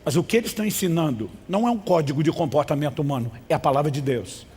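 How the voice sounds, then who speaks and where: A Brazilian pastor delivers an emphatic sermon from the pulpit, urging the congregation to repeat after him. His husky, darkish voice sits a little high for a man, with lively intonation and a very fast pace, ringing with the long reverb of a large church hall.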